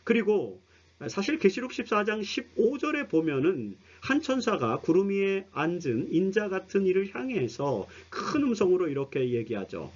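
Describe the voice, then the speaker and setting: A man's voice: high-pitched, very animated, moderate pace, muffled recording. A man teaching a broadcast Bible study lecture, explaining earnestly and speaking straight to his listeners. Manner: earnest explanatory preaching, addresses listeners directly.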